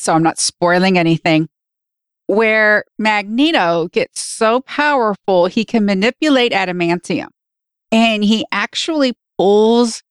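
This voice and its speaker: A woman's voice: mid-range voice, clean tone, no echo, studio quality. A woman in her forties co-hosting a podcast in casual chat, rambling and correcting herself as she tells stories. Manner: rambling, self-correcting storyteller. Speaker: podcast co-host.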